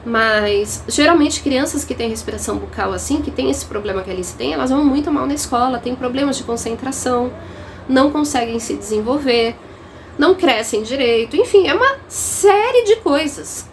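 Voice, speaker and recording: High-voiced, earnest young mother vlogging. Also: lively intonation, normal speed, slight background noise. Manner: earnest, emotional storytelling. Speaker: mother and channel host. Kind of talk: casual vlog talk to viewers.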